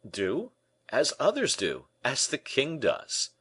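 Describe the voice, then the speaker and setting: A man's voice: medium pitch, wildly swooping pitch, fairly bright tone, husky, pitched above the performer's own voice, heavily acted. A man doing a shrewd, wry friend. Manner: wry, reassuring, measured. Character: shrewd, calm middle-aged male friend. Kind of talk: audiobook character voice.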